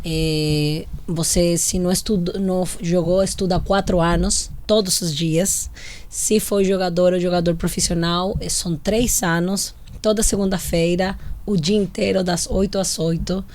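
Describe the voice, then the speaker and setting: A woman's voice: fairly low pitch, steady tone, unhurried, darkish tone. A woman from Chile, a native Spanish speaker with a Chilean accent, telling her career story as a guest on a podcast, chatty with some restarts. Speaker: football coach, guest. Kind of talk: casual podcast interview.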